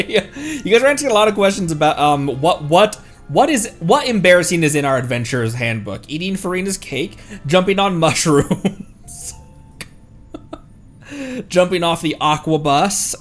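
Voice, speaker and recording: A man's voice: high voice, sharp tone. A man streaming a game with casual commentary, often stopping and restarting as he talks.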